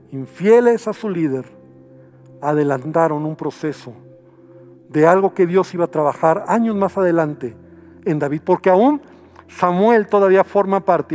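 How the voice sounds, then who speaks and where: High-voiced Mexican preacher man. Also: darkish tone. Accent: Mexican Spanish. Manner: dramatic, acting out people's pleas in short quoted bursts; drops to a near murmur to stress a point. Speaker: pastor. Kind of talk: sermon.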